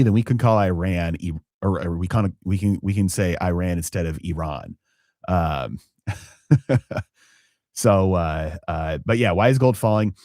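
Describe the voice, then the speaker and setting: Deep-voiced man in halting live commentary. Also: a little mellow, no echo, clean studio sound. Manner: halting, many fillers and restarts. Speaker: finance channel host. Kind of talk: live-stream market commentary.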